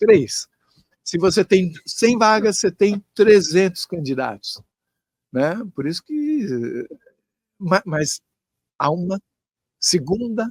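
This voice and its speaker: A man with a high voice speaks very slowly, his pitch leaping over a very wide range. The sound is dry and close, without any echo. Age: 60s. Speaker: physicist and near-death experience researcher. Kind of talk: interview testimony. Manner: halting, with fillers and self-corrections.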